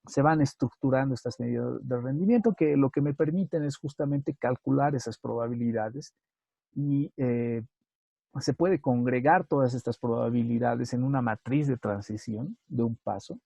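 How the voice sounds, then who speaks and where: A man's voice: medium pitch, moderate pace, gravelly, dark tone, no echo, highs cut off. A man giving a methodical university lecture, often checking with the students and correcting himself as he goes. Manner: methodical, repeats points and checks with tag questions; self-correcting, with hesitations. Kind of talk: recorded online lecture on queueing theory.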